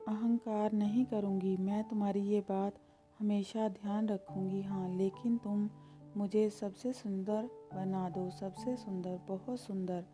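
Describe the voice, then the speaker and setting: A woman's voice: medium pitch, fairly even intonation, unhurried, mellow, faint music behind, lightly acted. Woman voicing a sad pleading village girl. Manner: pleading, emotional. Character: sad plain village girl, tearful and hopeful. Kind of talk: storybook character voice.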